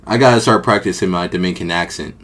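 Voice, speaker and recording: Talking fast in a low, slightly bright voice, a young streamer reacts live to a documentary. He chats casually in slang, swears, and answers back to what's on screen.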